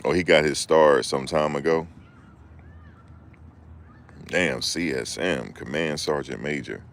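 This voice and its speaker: A very deep, gravelly-voiced man takes it slowly as he hosts a livestream, with slight background noise behind him. He chats casually with live viewers, joking, rambling, and talking back to chat.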